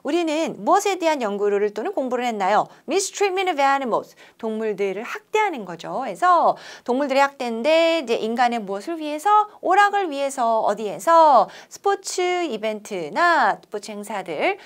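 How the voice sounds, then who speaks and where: A young woman teaches English speaking in a lecture, and her high voice swings up and down with energy. She reads model sentences slowly and crisply, then asks her students to repeat after her. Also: big pitch swings. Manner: slow, over-enunciated English model phrases. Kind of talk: classroom lecture.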